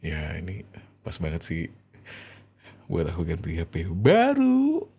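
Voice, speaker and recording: A man performing an ASMR roleplay as an affectionate, excitable husband talking to his wife, with expressive, hesitant delivery. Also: deep voice, slow, gravelly, breathy edge.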